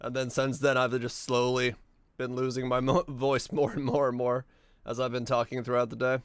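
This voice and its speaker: A hoarse man with a raspy, fading voice chatting casually while streaming a game, rambling and halting, swearing now and then. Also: mid-range voice, little pitch movement, no echo. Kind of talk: casual gaming stream commentary.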